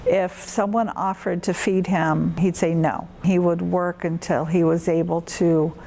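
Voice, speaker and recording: A woman's voice: on the low side, steady tone, unhurried, mellow, slight background noise, rough recording. A woman answering questions in a television news interview, speaking about a friend.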